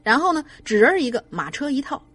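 A woman co-host reading a listener's ghost story aloud in an animated way, laughing now and then. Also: high-pitched, fast talker. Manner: animated, laughs while reading, lively voices for quotes.

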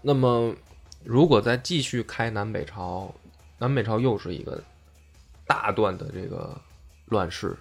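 A man hosting a casual history podcast, explaining deliberately and often rephrasing himself. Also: lowish voice, gravelly, husky, soft background music. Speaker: podcast host.

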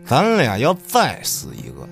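A man's voice: mid-range voice, huge pitch swings, vocal fry, music in the background, heavily acted. An actor playing a big, burly, calculating man in a radio drama, mocking and menacing as he talks. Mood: sneering, menacing. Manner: mocking, deliberate, swearing.

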